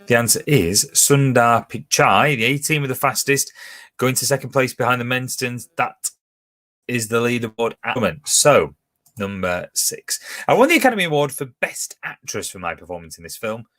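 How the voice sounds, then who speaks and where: A man's voice: medium pitch, expressive, normal speed, fairly bright tone. A man hosting a pub quiz from home, chatting casually as he reads out questions, answer options and team scores. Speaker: quiz host.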